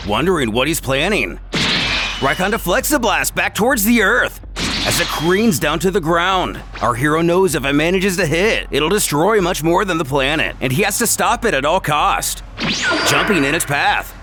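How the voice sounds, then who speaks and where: Male storyteller, mid-pitched and highly animated, dramatic scripted narration over background music. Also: normal speed.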